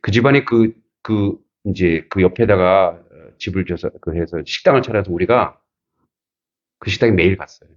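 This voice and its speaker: A middle-aged man preaching as a pastor, telling a personal story with lively acted-out quotes and frequent laughter. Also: low-pitched, normal speed, muffled recording. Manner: animated, acts out quotes, laughs often. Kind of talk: sermon with storytelling.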